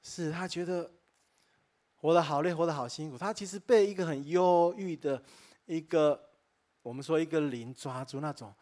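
Male pastor with a somewhat high voice, preaching live in church. Earnest storyteller who often exclaims in wonder and turns to address the congregation directly. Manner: addresses listeners directly and warmly as dear friends. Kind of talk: sermon.

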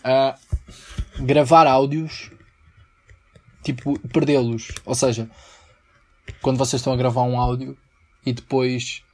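A man's voice: mid-range voice, level tone, unhurried, pauses often, a little mellow. A young man with a European Portuguese accent, hosting a casual solo podcast, rambling and slangy. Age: young adult. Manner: rambling and slangy, breaks into mock singing. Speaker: podcast host.

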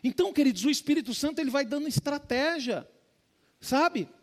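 A pastor delivers a casual, conversational sermon. His voice sits unusually high for a man. He keeps addressing the congregation as "dear ones". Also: lively intonation, fairly quick. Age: adult with a young child.

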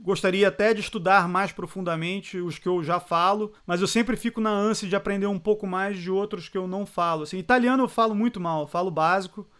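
A man, a sports journalist chatting as an interview guest. He is animated, laughs often and drops words from other languages. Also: sits high, brisk, few pauses, clean tone. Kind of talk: casual interview chat.

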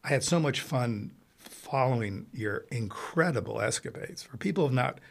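A man's voice: medium pitch, expressive, normal speed, vocal fry. A man from Italy hosting a casual interview, talking in an enthusiastic, rambling and effusive way. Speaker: podcast host.

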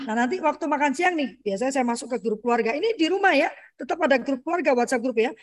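A middle-aged woman speaking as a parenting guest in a casual interview, animated and explanatory, often ending her points with "gitu ya" and addressing the host as "Pak". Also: high-pitched, quick pace. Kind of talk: conversational interview talk.

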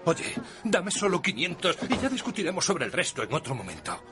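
A man's voice: on the high side, wildly swooping pitch, a little fast, music in the background. An actor in a dubbed TV drama playing a foul-mouthed gambler who wheedles for credit with a laugh in his voice. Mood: wheedling.

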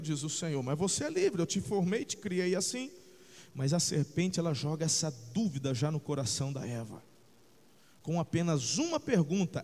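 A man pastor preaching a sermon, swinging between shouts and low, intense passages, calling the listeners "brother" and checking that they follow. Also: big-room sound.

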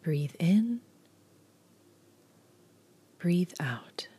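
Woman, meditation guide, low voice, slow pace, near-whisper, soothing short instructions. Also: very animated, mellow, husky. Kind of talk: guided body scan meditation, scripted.

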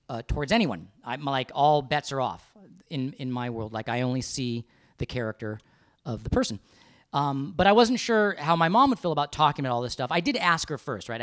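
A man co-hosting a podcast, talking casually and animatedly with a fairly high register, swearing and laughing often. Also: a bit bright, no echo, clean studio sound. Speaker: podcast co-host. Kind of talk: casual chat.

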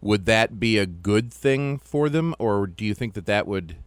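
A man's voice: lowish voice, lively intonation, a little slow, clean tone, no room sound. A man on a talk show asking the host short, probing questions. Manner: asks short probing questions and brief reactions. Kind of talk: casual radio talk show chat.

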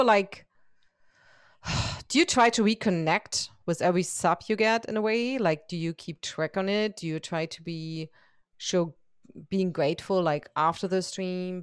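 A woman's voice: on the low side, a little slow, clear, resonant tone, no room sound, studio quality. A woman from Germany with a German accent, speaking English as a second language and hosting a casual, conversational interview. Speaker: interview host, photographer.

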